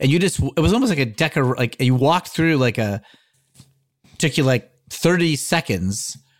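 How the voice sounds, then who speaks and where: A man has an ordinary speaking voice at a fairly high pitch, with lively intonation and very even loudness at a moderate pace. The recording is very clean, with a silent background. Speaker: improv performer. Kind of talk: improv scene.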